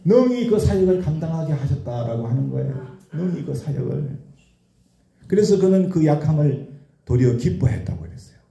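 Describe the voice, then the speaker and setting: A man's voice: fairly high pitch, animated, normal speed, gravelly, dark tone. A man in his sixties preaching a sermon, repeating key words for emphasis and acting out anguished questions to God. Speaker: pastor. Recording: echoey room.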